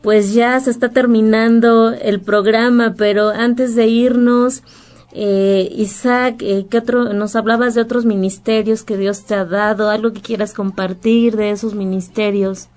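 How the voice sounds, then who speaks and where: A woman from Mexico, hosting a Christian radio show and chatting with a guest in an unhurried way. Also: a little high, steady tone, a little mellow. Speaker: radio host.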